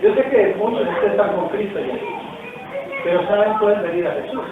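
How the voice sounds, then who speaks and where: Over loud music, a pastor with a high-pitched voice preaches fairly quickly in a church hall, chatting casually and asking the congregation questions. The recording is distant and echoey, tinny, and has faint noise.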